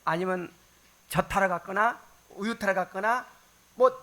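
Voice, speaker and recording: A man's voice: high-pitched, unhurried, pushed and bright. A man preaching a sermon as pastor, talking conversationally and asking the congregation questions.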